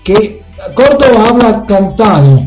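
High-voiced man with a mellow tone. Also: takes it slowly. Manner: animated, mixes languages. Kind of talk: casual interview talk. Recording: echoey room, faint music.

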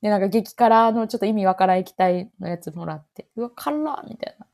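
A woman's voice: medium pitch, steady tone, fast, darkish tone. A woman in her twenties with a Kansai Japanese accent, hosting a casual chat among friends in a chatty, giggly way. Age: 20s. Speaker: podcast host.

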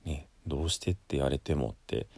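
A Buddhist priest, a man, who chants and then gives a slow, measured spoken lesson with frequent pauses and fillers. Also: very deep voice, creaky, a little mellow, no room sound. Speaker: Buddhist priest teaching pronunciation.

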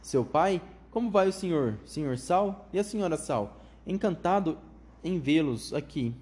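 Willy Wonka, a high-pitched gushing host, as a man puts him on. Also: expressive, a little mellow. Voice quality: high, flute-like voice. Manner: gushing, rapid strings of enthusiastic welcomes. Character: eccentric excitable man, chocolate factory owner.

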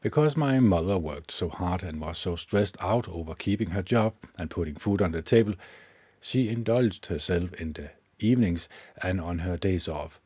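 A man with a very low, mellow voice reads from a book on his own podcast, steady and measured, now and then stumbling over a word and fixing it. His tone is slightly husky. The sound is close and dry, with no room around it. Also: no room sound. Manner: measured reading with occasional slips and self-corrections. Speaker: podcast host. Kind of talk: reading a self-help book aloud. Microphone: own microphone with gain up and low cut filter.

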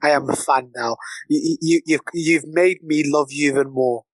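A man whose first language is not English co-hosts a podcast in a fairly high voice, with a playful, teasing manner. The sound is dry and close. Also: fairly even intonation, normal speed, dry recording, rough recording. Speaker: podcast co-host. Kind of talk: casual podcast banter.

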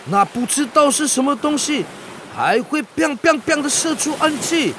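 An actor voicing an excitable, naive young tribal hunter in a radio drama, with a Taiwanese accent and a simple, wide-eyed way of talking. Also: high-pitched, moderate pace, background noise. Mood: awed.

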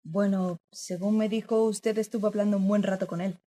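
A woman's voice: medium pitch, fairly even intonation, moderate pace, dark tone, lightly acted. A woman playing a curious, persistent young journalist who asks polite questions. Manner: inquisitive, polite. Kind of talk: radio drama acting.

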